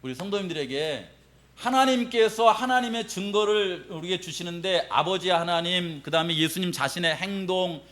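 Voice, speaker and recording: A middle-aged man preaching a sermon as pastor, animated, acting out quoted reactions and laughing often. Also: sits high, moderate pace.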